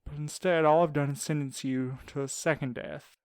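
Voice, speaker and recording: An actor in an audio drama playing a tender, grieving man who speaks haltingly and pleads with his lover. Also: a little high, steady tone, darkish tone, smooth, no echo, natural voice. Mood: anguished regret.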